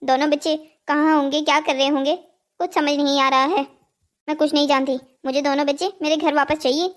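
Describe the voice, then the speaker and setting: An anxious cartoon mother acted by a woman, pleading with and reproaching her husband. Her female voice is extremely high. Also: little pitch movement, brisk, lightly acted. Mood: worried, reproachful. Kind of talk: scripted cartoon story dialogue.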